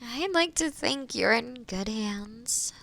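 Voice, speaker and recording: A woman playing a kind, skilled witch in an intimate roleplay audio drama, gently reassuring, with soft near-whispers and thoughtful murmurs. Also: a little high, lively intonation, slow, gravelly, full character voice. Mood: modest, warm.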